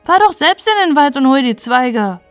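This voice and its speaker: A woman's voice: a little high, moderate pace, no room sound, soft background music, close to an everyday voice. A woman voicing a bold young boy who speaks in a reproachful, outspoken way.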